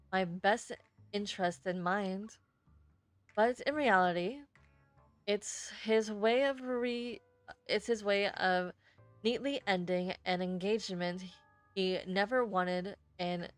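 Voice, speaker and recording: A woman's voice: medium pitch, smooth, dry recording. A woman streamer reading a first-person story aloud expressively, sometimes stumbling over words and rereading them.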